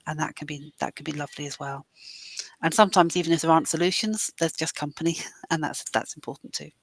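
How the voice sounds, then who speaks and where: Woman, mid-pitched, earnest explainer, dry close recording. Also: steady tone, quick pace, no room sound, poor audio. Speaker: charity staff explaining resources. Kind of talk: podcast interview.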